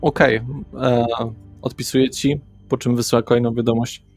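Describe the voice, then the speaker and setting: A man's voice: mid-range voice, little pitch movement, normal speed, creaky. A man working as game master, narrating a tabletop role-playing scene in a casual, conversational way. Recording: music under the voice. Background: background music.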